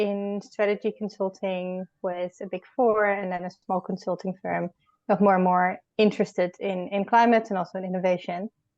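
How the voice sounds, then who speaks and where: A woman speaks with a Dutch accent. Her intonation is flat and monotone. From Netherlands. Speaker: strategy consultant, climate tech writer. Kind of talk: podcast interview.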